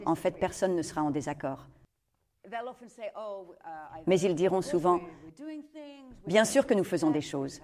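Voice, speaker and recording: Low-voiced woman reading a translated voice-over. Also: darkish tone. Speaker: dubbed voice-over of the guest.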